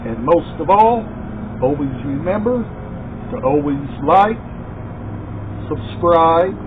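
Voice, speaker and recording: A man in his forties chatting casually to camera as a video host, halting and repetitive, in short phrases with pauses, recorded in a small room on a device microphone. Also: fairly high pitch, animated. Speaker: host of a collection video channel. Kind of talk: casual vlog chat to camera. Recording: tinny phone-like sound, loud background noise.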